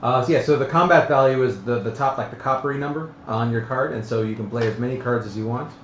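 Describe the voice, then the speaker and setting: At a group game table in an echoey room, a man casually and somewhat hesitantly explains tabletop game rules to the players step by step. His medium-pitched voice moves at a quick pace. The livestream audio sounds roomy and muffled, with background noise.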